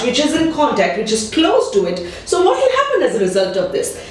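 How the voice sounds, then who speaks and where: A woman chemistry teacher giving a patient, step-by-step explanatory lesson. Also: fairly high pitch. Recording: echoey room, distant mic.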